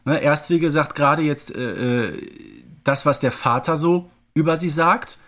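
Speaking unhurriedly in a slightly bright voice on the high side, this man hosts a podcast. He's from the Ruhr region, has a German accent, and keeps things colloquial and conversational.

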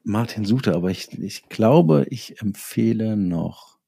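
A man's voice: on the low side, animated, unhurried, vocal fry, mellow, slightly rough. A man chatting casually as an interview guest, hesitant and searching for his words as he goes. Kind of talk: casual chat.

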